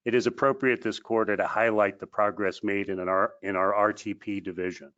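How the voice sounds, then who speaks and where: Low-voiced man on a muffled call. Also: fairly even intonation, a bit bright. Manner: formal, measured reading. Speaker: company executive. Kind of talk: scripted earnings call presentation. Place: conference call. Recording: dull, lo-fi conference call audio.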